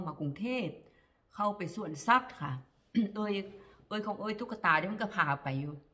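A woman speaks with a bright, sharp tone. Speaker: vlogger. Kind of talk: casual vlog chat. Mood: cheerful, chatty. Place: kitchen. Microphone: phone near.

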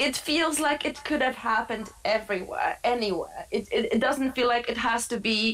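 A woman with a Polish accent speaks at a high pitch and a moderate pace. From Poland. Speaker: panel moderator and translator; panel moderator. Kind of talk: moderated literary panel discussion. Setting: video call. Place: home room.

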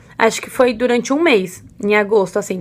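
Speaking in a São Paulo accent, a woman has a fairly high pitch. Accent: Brazilian Portuguese, paulistano. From Brazil, São Paulo city. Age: 20s. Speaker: au pair; guest. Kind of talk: personal storytelling. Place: home room. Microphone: webcam.

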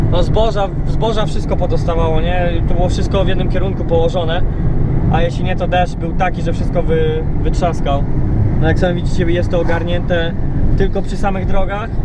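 A fairly quick pace, a dry sound with no echo, and loud background noise. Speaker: passenger vlogger. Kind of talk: casual vlog chat. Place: car. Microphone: camera far.

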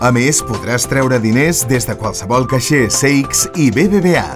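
A man at medium pitch, lively intonation, very slow pace, music in the background. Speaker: voice-over artist. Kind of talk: corporate narration, bank promo voiceover.

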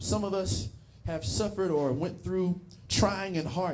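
There is noticeable background noise as a man speaks at a fairly slow pace. His voice carries vocal fry. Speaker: preacher. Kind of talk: sermon. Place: church. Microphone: handheld.

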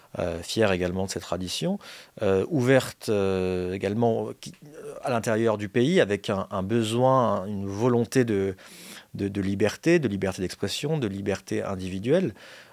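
Against a quiet background, the speech runs at a fairly slow pace with ordinary pitch variation. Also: man, fairly low pitch for a man. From France, Iranian parents. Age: 30s. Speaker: journalist. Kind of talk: interview. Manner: hesitant, many fillers. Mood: calm, analytical. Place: studio. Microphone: studio mic.

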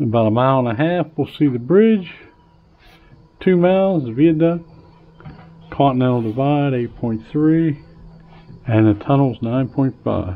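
Pausing long and often, a man speaks at a moderate pace. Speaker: vlogger. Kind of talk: casual vlog chat. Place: street. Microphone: phone near.

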